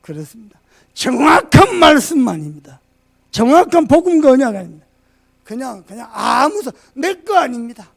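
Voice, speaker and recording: A male pastor preaching a sermon with fervor, swinging between shouted points and quiet asides. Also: very high-pitched, very animated, normal speed, gravelly. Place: church sanctuary.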